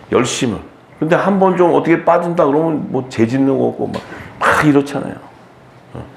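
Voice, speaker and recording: A man preaching in a chatty, animated seminar style, acting out quotes in a raised voice. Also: mid-range voice, gravelly, roomy sound, slight background noise. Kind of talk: conversational sermon seminar.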